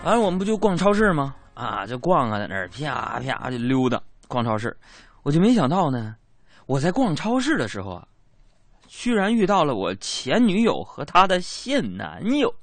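A man's voice: a little high, very animated, moderate pace, no room sound, soft background music. A young man performing a stand-up comedy monologue, telling chatty stories with colloquial asides and self-mocking punchlines.

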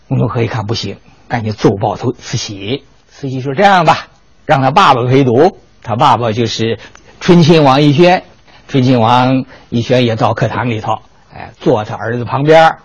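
An older man tells history as a lively story, posing rhetorical questions and swinging his pitch widely as he speaks. His voice has a slight huskiness. The sound is dry and close, with little room echo. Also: slightly rough, lo-fi sound. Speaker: history lecturer. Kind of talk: storytelling lecture.

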